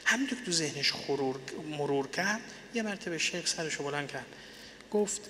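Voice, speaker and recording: A man preaching a religious sermon to an audience, swinging between soft and loud and reciting poetry slowly. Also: a little high, lively intonation, long reverb tail, a little hiss or hum. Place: large lecture hall.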